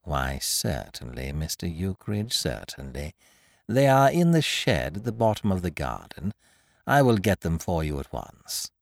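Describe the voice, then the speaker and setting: A stern, whiskered old landlord who speaks low and slowly, his words guarded, as a male narrator puts him on. The sound is very dry and close. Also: huge pitch swings, vocal fry, a bit bright, no echo, full character voice. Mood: ingratiating.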